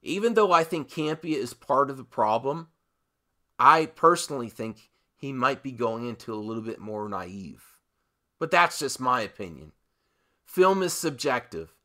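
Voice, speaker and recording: Male commentary host, sharp and intense tone, unhurried delivery, punchy emphasis, opinionated rant style. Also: medium pitch. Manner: emphatic, with dramatic pauses and repeated phrases. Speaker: host of a movie commentary channel.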